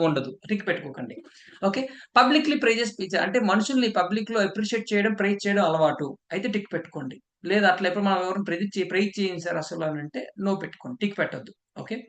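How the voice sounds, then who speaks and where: A man from India leads a training session at a brisk clip, reading out points one by one and checking that listeners follow. His voice sits at a middle pitch and rings a little in an echoey room. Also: a bit bright. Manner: checks in with listeners, frequent "okay"; walks listeners through a questionnaire item by item. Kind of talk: training lecture.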